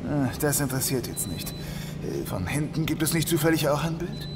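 A man's voice: fairly high pitch, expressive, moderate pace, close to an everyday voice. Man playing a young inspector, noisy background. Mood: inquisitive. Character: young, dogged male police inspector on a spaceship. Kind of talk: audio drama acting.

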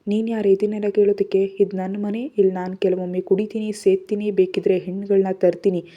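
A woman's voice: medium pitch, level tone, brisk, close to an everyday voice. Woman voicing a curt, cold young husband. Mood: stern. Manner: curt, scolding, loud. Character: harsh, cold young husband, gruff and commanding. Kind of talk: storybook narration. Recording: dull lo-fi audio.

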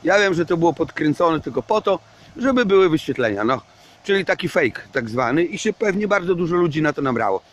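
A man's voice: a little high, sing-song, a little fast. A man rambling in a casual vlog monologue while walking outdoors at night. He hedges a lot and swears casually. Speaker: vlogger. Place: outdoors at night under a street lamp.

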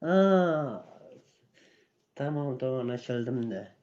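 Dull-sounding Afghan man, broken halting speech. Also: medium pitch, animated, a little mellow. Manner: broken, halting foreigner's Turkish with simple grammar. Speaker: guest caller on a live stream. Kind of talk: casual chat.

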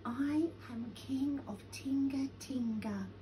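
Timid storybook lion king, hesitant and nervous, lively rising pitch performed by a woman. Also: takes it slowly, noisy background. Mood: dejected, timid. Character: timid, unsure lion king who cannot roar. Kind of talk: animal storybook narration.

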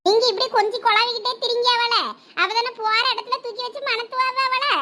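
A woman with a Thoothukudi Tamil accent takes on the role of a village mother in a comedy skit, scolding and nagging her daughter again and again. The pitch is extremely high, the intonation fairly even, and the nagging quick and sharp.

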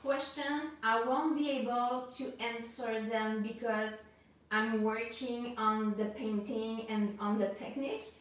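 A woman's voice: a little high, fairly even intonation, slow, recorded from a distance, slight background noise. Nervous French-accented woman in echoey room. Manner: hesitant, many ums and restarts, says she is nervous. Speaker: art instructor hosting a livestream. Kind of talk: live-streamed masterclass, chatty and greeting viewers. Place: home studio room with art supplies on a table. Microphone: camera a few feet away.

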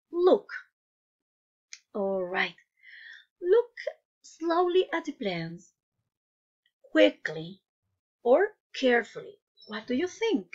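A woman's voice: fairly high pitch, slightly rough, lo-fi sound. A woman teaching English to young children in a patient way, asking questions and praising each answer. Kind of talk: online class lesson.

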